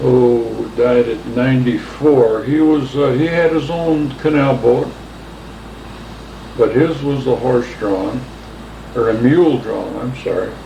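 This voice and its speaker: A man with an Inland North American accent speaks at a medium pitch and a fairly slow pace, with ordinary pitch variation and long, frequent pauses. The recording has audible room echo and noticeable background noise. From Central New York. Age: 60s. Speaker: oral history interviewee. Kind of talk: oral history interview. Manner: halting.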